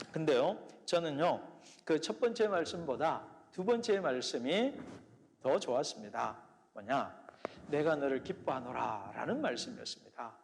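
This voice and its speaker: A man preaching a sermon as a pastor, telling his story earnestly and often dropping to soft, quiet phrases. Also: on the high side, a little hiss or hum. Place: church sanctuary. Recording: church hall reverb.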